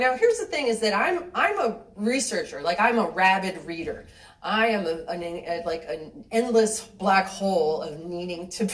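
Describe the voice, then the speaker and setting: Animated woman lecturing in a roomy hall. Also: fairly high pitch. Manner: animated, chatty, acts out little quoted exchanges; laughs lightly mid-sentence. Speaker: speaker giving a talk to an audience. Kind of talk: live lecture with audience questions. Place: cinema venue with an audience. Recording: roomy hall sound from a distant mic.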